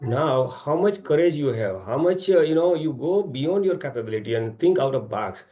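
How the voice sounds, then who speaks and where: A man's voice: a little high, animated, normal speed, dark tone, dull audio. A middle-aged man with an Indian accent, answering investor questions informally as a company executive in a rambling way, often seeking agreement with tag questions.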